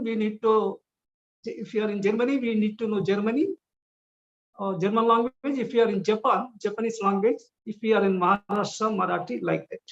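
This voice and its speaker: A middle-aged man with an Indian English accent, whose first language is Telugu, delivers a guest lecture to students online. He speaks deliberately and often pauses with fillers. The sound comes through a slightly muffled video-call line. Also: very high-pitched. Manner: deliberate, with frequent uh fillers and restarts.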